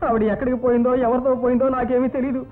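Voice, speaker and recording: An earnest worried young husband, fast high voice, tinny film sound with music. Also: male voice, little pitch movement. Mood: pleading. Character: anxious earnest young husband and stage hopeful. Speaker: struggling theatre man, husband. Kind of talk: dubbed film drama. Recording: phone-like narrow sound with music.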